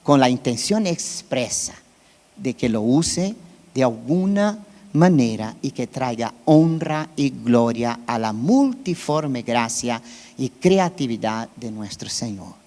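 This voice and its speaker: A Brazilian man whose first language is Portuguese preaches a sermon in Spanish with a Brazilian Portuguese accent, in a large church hall. His voice is medium-pitched and darkish, slow but lively in intonation, and he keeps things conversational, checking in with his listeners.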